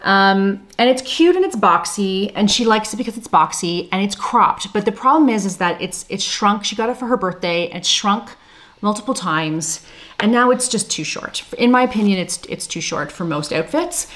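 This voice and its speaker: A woman in her thirties or forties shows off her sewing projects in a relaxed, chatty vlog voice. Her pitch sits in the middle range. She talks with plenty of filler words, makes fun of her own mistakes and laughs often. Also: normal speed. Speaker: sewing vlogger, mother. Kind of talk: casual show-and-tell chat.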